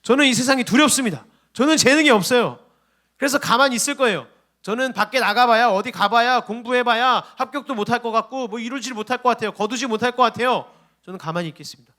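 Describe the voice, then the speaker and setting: A man's voice: very fast, a bit bright. A male preacher voicing a timid, self-pitying young person praying in a plaintive tone. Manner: whiny, plaintive, pitched up.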